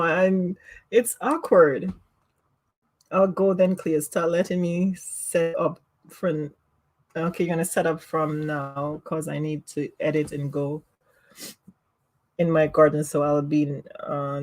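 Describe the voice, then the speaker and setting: A woman with a Jamaican accent chats easily with her livestream viewers and laughs often at herself. Her voice sits low, and she takes her time with every phrase. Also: a little mellow. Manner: giggly, laughs often, self-teasing. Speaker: livestream host. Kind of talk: casual livestream chat reading comments.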